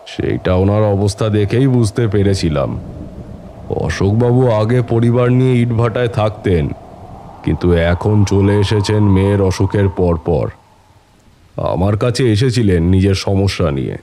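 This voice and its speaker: অভিনেতার কণ্ঠে ধীর, গম্ভীর গলার তান্ত্রিক গল্পকথক পুরুষ. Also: male voice, low voice, warm tone. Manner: unhurried, reflective raconteur addressing listeners. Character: reminiscing seasoned tantric storyteller, worldly wandering holy man. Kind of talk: scripted audio-story narration in character.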